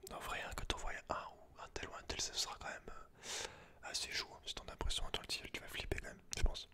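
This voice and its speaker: A man speaks in a breathy, unvoiced whisper, informal and close to the listener, as in an ASMR reading. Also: fairly quick. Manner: informal, slangy, talks directly to one listener. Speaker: ASMR creator. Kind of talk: whispered ASMR, casual commentary and reading aloud from a book.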